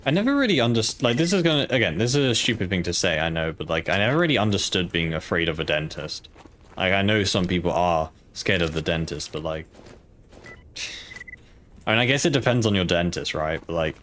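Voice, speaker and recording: Deep-voiced man, British accent, rambling. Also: lively intonation, brisk, fairly bright tone. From Poland. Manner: rambling, hesitant, filler-heavy. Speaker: streamer. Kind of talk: casual gaming stream chat.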